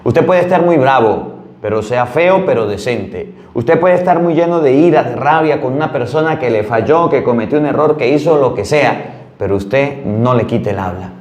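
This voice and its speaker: A priest from Venezuela giving a sermon, telling a story in an earnest, plain-spoken way. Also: male voice, mid-range voice, lively intonation, normal speed, a little mellow, reverberant.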